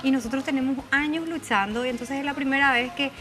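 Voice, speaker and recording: A woman's voice: high voice, fairly even intonation, fast. A woman, a guest judge chatting on a talk show and telling stories with quips. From Paraguay. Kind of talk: casual chat.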